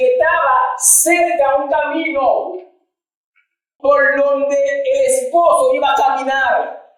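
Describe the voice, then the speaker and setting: The speech moves at a very slow pace with ordinary pitch variation and audible room echo. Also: man. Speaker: pastor teaching a Bible class. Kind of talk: lecture.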